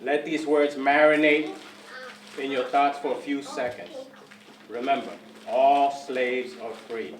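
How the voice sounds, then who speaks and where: A man performing spoken word poetry, measured and repetitive, guiding the audience. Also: medium pitch, fairly even intonation, crowd noise. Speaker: poet performer. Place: community event hall. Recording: echoey room, mic from far off, faint noise.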